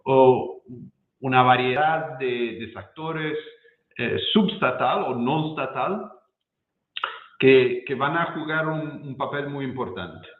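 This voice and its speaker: A man with an Italian accent, a non-native speaker giving an academic presentation, halting and often repeating words as he searches for them. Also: medium pitch. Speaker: guest speaker, professor. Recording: echoey room, muffled lo-fi sound.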